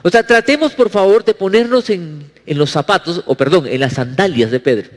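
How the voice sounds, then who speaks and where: A male pastor preaching a sermon, asking his congregation questions, with sweeping swings in pitch. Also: animated, moderate pace, in a large hall.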